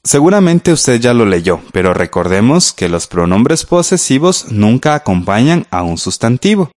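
A man's voice: mid-range voice, big pitch swings, moderate pace, darkish tone. A man teaching a grammar lesson on radio, explaining patiently and speaking straight to the listener.

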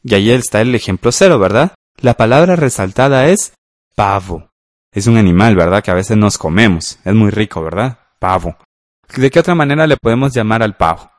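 A man, teaching a radio school language lesson in a patient, slow way and often checking in with listeners. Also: fairly low pitch, expressive, dry recording, clean studio sound.

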